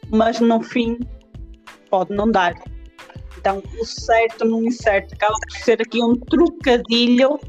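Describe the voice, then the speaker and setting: Portuguese woman author, measured. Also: a little high, darkish tone. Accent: European Portuguese. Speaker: author guest. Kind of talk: podcast interview over internet call.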